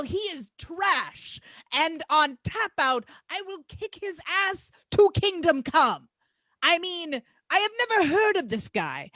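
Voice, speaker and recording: Woman playing a high-pitched, brash male wrestler. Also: fairly bright tone, no room sound. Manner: taunting, crude, grandiose, drawn-out emphatic delivery. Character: brash, boastful male pro wrestler cutting trash-talk promos. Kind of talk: staged reading of wrestling promos.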